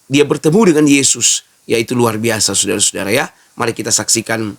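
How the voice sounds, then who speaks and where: A man's voice: mid-range voice, fairly quick, gravelly. A man hosting a Christian program opens with a formal, devout greeting to his viewers. He speaks in a preacherly way, with a mid-range voice. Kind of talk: preacherly introduction.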